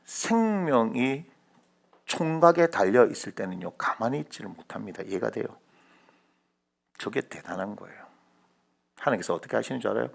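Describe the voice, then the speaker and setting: A man preaching a sermon as senior pastor, colloquial and dramatic, moving from hushed asides to shouted lines. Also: medium pitch, very animated, moderate pace, vocal fry, pauses often. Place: church sanctuary.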